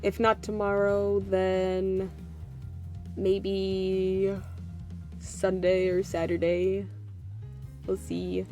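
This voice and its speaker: A woman's voice: medium pitch, completely flat delivery, extremely slow, long pauses, mellow, faint music behind. A woman streaming a game, chatting casually as she wraps up while her voice is giving out. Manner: plays all the characters in one voice, sings bits to herself. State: losing her voice. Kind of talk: reading game dialogue aloud, then casual chat.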